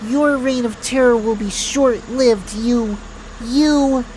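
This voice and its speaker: A woman's voice: on the high side, slow pace, darkish tone, a little hiss or hum, rough recording. A woman playing a defiant, outraged kidnapped heroine in an audio drama, melodramatic and indignant.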